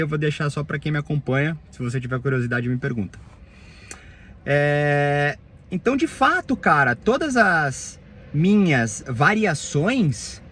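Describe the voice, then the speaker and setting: A man with a Brazilian Portuguese accent, a therapist, speaking a reflective personal monologue in halting, phrase-by-phrase bursts with frequent tag questions. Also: a little high, fairly bright tone, slight background noise.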